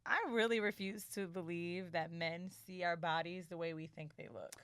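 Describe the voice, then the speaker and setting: A woman's voice: lowish voice, fairly even intonation, normal speed, a bit bright, smooth, dry recording. A woman co-hosting a casual podcast, telling stories and teasing in a brash, profane way. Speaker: podcast co-host. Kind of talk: casual banter and anecdotes. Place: podcast studio.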